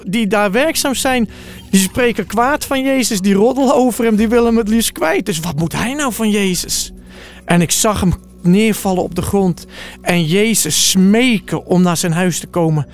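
A man telling a Bible story in the first person as an eyewitness, in a vivid and earnest way. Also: high voice.

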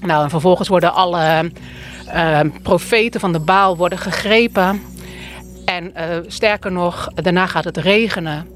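A woman retelling and reading a Bible story in a plain, unhurried way, with small hesitations. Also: fairly low pitch, fairly even intonation, faint music behind.

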